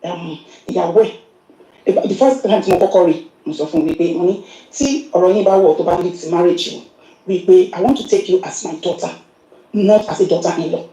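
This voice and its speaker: Fast, dark-voiced Yoruba woman's voice message. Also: on the low side. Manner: earnest, mixes English into her talk. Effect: recorded voice message played on the show. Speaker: caller sending a voice note. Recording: roomy voice message.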